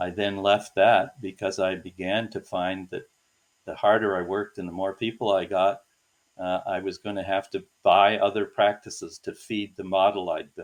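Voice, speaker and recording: In a Canadian accent, a man speaks at a fairly low pitch with monotone, flat intonation. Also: moderate pace. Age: 70s. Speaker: retired veterinarian and practice consultant. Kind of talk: podcast interview.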